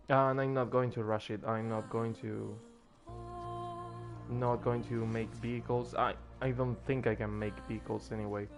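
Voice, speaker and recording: A man's voice: medium pitch, level tone, a little slow, pauses often, music in the background. Tired man rambling over his gameplay. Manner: rambling, restarts when moved. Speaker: streamer. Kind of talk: casual gameplay commentary.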